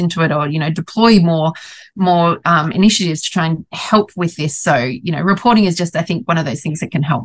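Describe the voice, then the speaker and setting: A woman with an Australian accent talks at a very fast pace, her somewhat breathy voice full of lively intonation. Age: 40s. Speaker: finance journalist. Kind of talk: casual chat.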